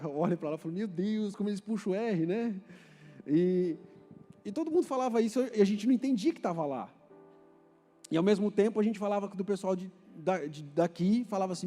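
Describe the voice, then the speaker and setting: A man's voice: sits high, warm tone, big-room sound. A man from Paraná, Brazil, with a Paraná Brazilian Portuguese accent, preaching a sermon in a church and putting questions to the congregation. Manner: conversational, asks the congregation questions. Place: church hall.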